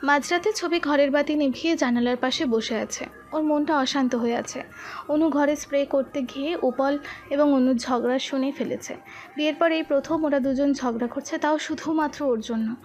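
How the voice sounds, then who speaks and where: High-voiced woman narrating a romance story. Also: moderate pace, darkish tone. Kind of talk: scripted audio-story narration.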